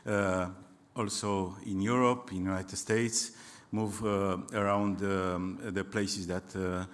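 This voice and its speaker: A native Romanian speaker with a Romanian accent gives a public astronomy lecture in English. His voice sits low, smooth, with little pitch movement. He pauses often and restarts while searching for words.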